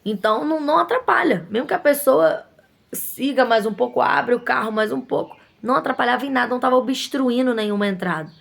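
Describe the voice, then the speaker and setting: Woman shop owner, fairly high gravelly voice, animated indignant storyteller. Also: fast. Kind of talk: casual storytelling to viewers.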